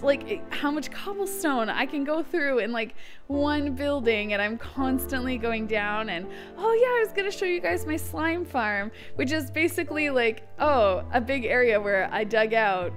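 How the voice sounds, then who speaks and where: High-voiced chatty woman gamer. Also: fairly bright tone. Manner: giggly, chatty, thinking aloud. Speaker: gaming video host. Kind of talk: casual gameplay commentary.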